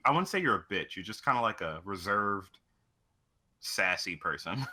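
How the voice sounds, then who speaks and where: A low-pitched man with a very bright, forceful voice, chatting loosely as a podcast co-host. He rambles through casual game talk and swears heavily. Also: very animated, normal speed. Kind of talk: casual chat about video games.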